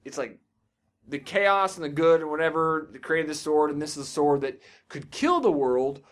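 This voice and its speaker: Casting: male gaming podcast co-host with a fairly high voice, rambly, keen and freely sweary. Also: expressive, normal speed. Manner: rambling, enthusiastic, casually profane. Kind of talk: casual gaming chat.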